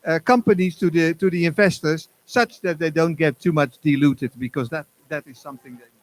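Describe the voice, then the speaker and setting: A man's voice: fairly high pitch, brisk. A man with a Dutch accent introducing himself hesitantly as a jury member. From Netherlands. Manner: hesitant, many fillers.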